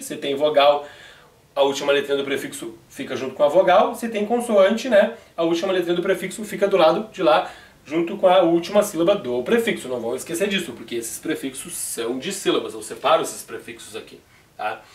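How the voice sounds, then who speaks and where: A man's voice: a little high, echoey room. Man, brazilian portuguese accent, grammar teacher, chatty step-by-step explaining, mic at a distance. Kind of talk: video grammar lesson.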